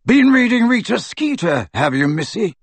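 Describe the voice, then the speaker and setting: Man acting a gruff, bitter old wizard, raised pitch. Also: big pitch swings, normal speed, no echo, heavily acted. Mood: scornful. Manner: rough, terse, scornful.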